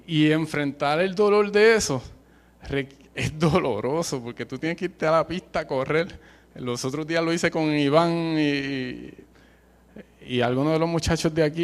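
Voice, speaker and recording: A man preaching with a Puerto Rican accent, passionate and emphatic, dropping casual slang and jokes into his sermon. His voice sits high for a man, rising to forceful peaks as he presses each point. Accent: Puerto Rican Spanish. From Puerto Rico. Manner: passionate, emphatic, uses colloquial slang and humor.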